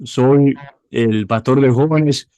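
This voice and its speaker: A man's voice: mid-range voice, slow pace, mellow, smooth, dry recording. A man in his twenties with a Cuban accent, a youth pastor telling his life story in an interview, often restarting and repeating words as he goes. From Cuba. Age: 20s. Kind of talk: personal testimony interview.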